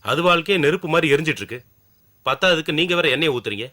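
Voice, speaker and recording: An actor playing a gentle, protective village brother with a rural Tamil Nadu accent in naturalistic film drama. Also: male voice, on the high side, animated, rapid-fire. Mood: soothing. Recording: loud music under film dialogue.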